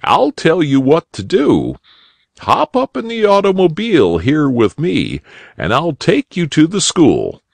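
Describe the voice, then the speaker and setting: A man voicing a jolly, kindly old rabbit gentleman in a storybook reading. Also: a little high, wildly swooping pitch, a little slow, vocal fry, no room sound, voice pushed up, heavily acted.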